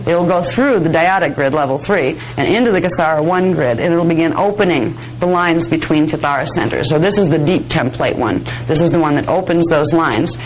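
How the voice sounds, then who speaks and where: A woman with a slightly hoarse, raspy voice giving an informal workshop lecture in a chatty, conversational manner. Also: low voice, brisk, few pauses, soft background music, poor audio. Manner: conversational, chatty, self-deprecating asides. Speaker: workshop instructor. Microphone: worn or held microphone close to the face.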